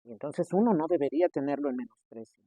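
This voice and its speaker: A man's voice: fairly high pitch, expressive, fast talker, mellow, husky, dry recording. Male pastor, sermon, conversational delivery, hesitant fillers, dry close sound. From Mexico. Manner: conversational preaching with frequent hesitations and mock rhetorical questions.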